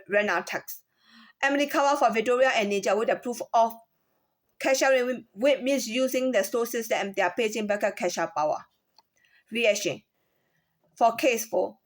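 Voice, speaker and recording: A woman with a Chinese accent gives a halting personal account of a workplace complaint, often repeating words and asking rhetorical questions. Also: a little high. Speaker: former store employee.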